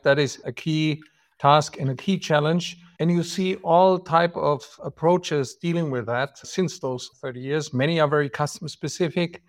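German-accented man explaining on a podcast. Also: a little high. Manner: explanatory, frequent "right?" and "so to speak". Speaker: guest, product manager. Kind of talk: podcast interview answers.

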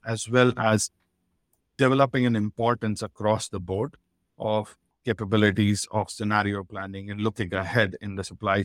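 A man explaining planning processes in a measured way as a podcast guest. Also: lowish voice, fairly bright tone, no room sound, clean studio sound. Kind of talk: business interview talk.

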